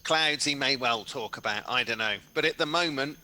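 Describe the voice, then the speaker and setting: A man's voice: mid-range voice, moderate pace, pushed and bright. A man playing a tabletop game, speaking in a wry, dry and wordy way. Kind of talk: in-character table talk.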